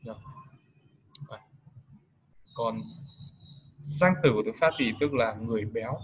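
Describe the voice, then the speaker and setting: A man giving a casual vocabulary lesson, explaining slowly and patiently with many fillers. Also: mid-range voice, slight background noise. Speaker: English tutor.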